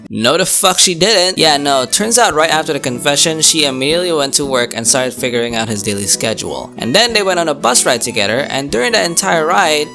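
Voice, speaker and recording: A man's voice: on the high side, animated, brisk, vocal fry, hardly any pauses, over music. A man narrating a comedic scripted story recap in a sarcastic, crude, sweary way. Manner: sarcastic, crude, swearing, puts on character voices. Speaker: YouTube manga recap narrator.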